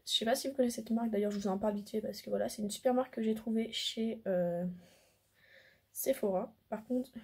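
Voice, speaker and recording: A woman's voice: a little high, fairly even intonation, fairly quick, gravelly, slightly rough. A woman chatting casually in a makeup vlog at home, rambling with lots of fillers as she swatches products. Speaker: beauty vlogger. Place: home room by a window. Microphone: camera mic.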